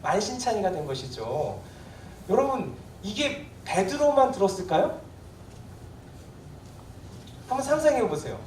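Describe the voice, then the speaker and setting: Pastor, sermon, conversational, asks the congregation questions, animated pitch, echoey church hall, distant mic. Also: measured pace, long pauses, slight background noise. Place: church sanctuary.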